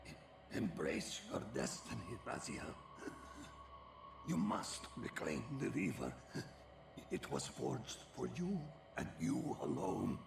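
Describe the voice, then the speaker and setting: An actor playing an ancient, gentle male vampire who speaks in a solemn, slow, gravelly way. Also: low-pitched, huge pitch swings, full character voice. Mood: solemn urging. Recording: echoey, distant, noisy game audio.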